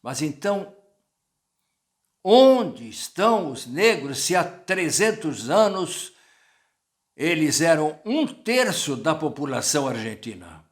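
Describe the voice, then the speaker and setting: Slow, deliberate older journalist man. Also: fairly high pitch, sing-song. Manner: unhurried, quotes sources, asks rhetorical questions. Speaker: journalist commentator. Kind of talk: reflective spoken commentary.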